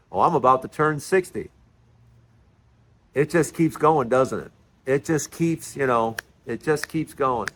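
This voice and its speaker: An older man in his sixties holds forth in a passionate monologue. His voice sits a little high for a man. He stumbles over words and repeats them as he presses his point. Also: fairly bright tone. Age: 60s. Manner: emphatic, repeats words, restarts often. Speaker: commentary host.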